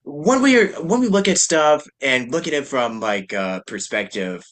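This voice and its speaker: A man's voice: fairly high pitch, expressive, measured pace, a bit bright. A man hosting a podcast, chatting casually in a loose, rambling way and laughing easily. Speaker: podcast host. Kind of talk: casual chat.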